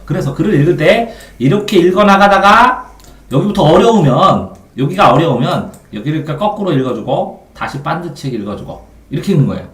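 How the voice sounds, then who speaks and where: A man with a high, lively voice teaches a reading method, asking questions and answering them himself over and over in a drilling rhythm. The pitch swings widely as he talks. He sounds set back from the mic, in a roomy space with a noticeable echo. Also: far from the mic. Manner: repetitive drilling.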